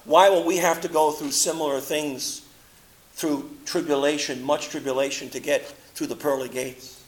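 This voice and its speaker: High-voiced impassioned male preacher. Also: steady tone, normal speed, low-quality recording. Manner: swings between loud impassioned quotes and low quiet asides. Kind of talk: sermon.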